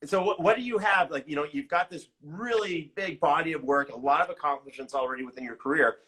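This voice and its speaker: A man's voice: fairly high pitch, quick pace, bright, forceful tone, poor audio. A man hosting a podcast interview in casual chat, enthusiastic and complimentary toward the guest.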